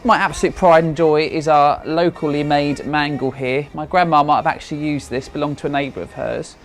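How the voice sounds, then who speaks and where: A thirty-five-year-old British man, a history enthusiast, chats informally and hesitantly in an interview while showing his home, using old-fashioned turns of phrase. His voice is fairly high and steady, brisk, with a little hiss or hum.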